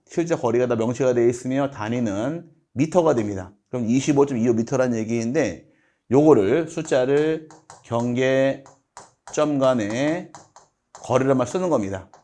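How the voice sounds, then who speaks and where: A middle-aged male lecturer speaks at an ordinary pitch in a steady, methodical way. He points through a diagram one item at a time and calls on students to repeat the terms after him, like a recorded prep class. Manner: methodical, walks through a diagram step by step and has students recite along. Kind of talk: online exam-prep lecture.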